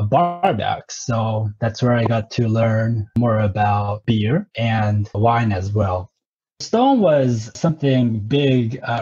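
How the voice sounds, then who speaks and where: A man's voice: medium pitch, a little mellow, breathy edge, lo-fi sound. A man in his thirties from Japan who grew up partly in Southern California, talking conversationally as an interview guest. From Japan, moved to Southern California at twelve. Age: 30s. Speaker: interview guest, sake company representative.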